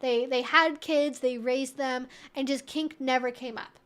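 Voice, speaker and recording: High-pitched woman chatting candidly. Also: fairly even intonation, a little slow, fairly bright tone, clean tone. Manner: candid, conversational, explanatory, hedging with frequent asides. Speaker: livestream host, educator. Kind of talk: casual livestream Q&A.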